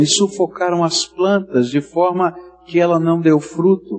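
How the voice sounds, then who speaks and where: Speaking very slowly with a Brazilian accent, a man uses a high pitch and ordinary pitch variation. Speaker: pastor. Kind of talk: expository sermon with scripture reading and closing prayer. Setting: church. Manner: earnest, teacherly preaching pace, building to fervent prayer.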